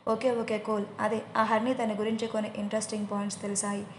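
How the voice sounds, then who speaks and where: A man's voice: high-pitched, monotone, fast talker, echoey room, a little hiss or hum, close to an everyday voice. A woman doing a pushy scheming young man. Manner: pushy, insistent.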